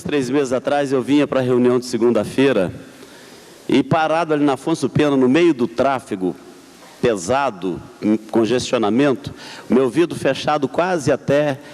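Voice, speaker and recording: A man's voice: medium pitch, normal speed, darkish tone, long reverb tail. A man giving an earnest church testimony, speaking directly to the congregation.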